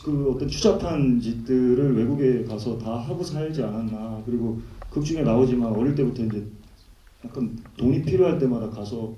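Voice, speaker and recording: A man from who speaks, an actor answering audience questions at a film Q&A, candid and joking, with thoughtful pauses. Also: medium pitch, dark tone. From Busan, South Korea. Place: cinema hall at a screening. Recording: echoey cinema hall from far off.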